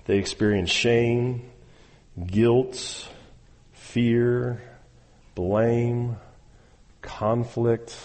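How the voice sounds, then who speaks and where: A man's voice: mid-range voice, fairly even intonation, very slow, pauses often, a little mellow, in a large hall. A man preaching a sermon, emphatic and exhorting, repeating phrases and speaking straight to his listeners. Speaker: pastor.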